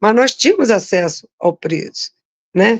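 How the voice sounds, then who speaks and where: A woman at a fairly slow pace, a plain, everyday voice, dry, close sound with no echo. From Brazil, Rio de Janeiro. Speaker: lawyer and human rights activist. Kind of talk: testimony.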